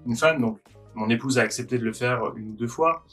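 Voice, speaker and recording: A man hosting a Christian video talk, encouraging viewers with many halting restarts. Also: medium pitch, a bit bright, soft background music. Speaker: host of Christian video channel.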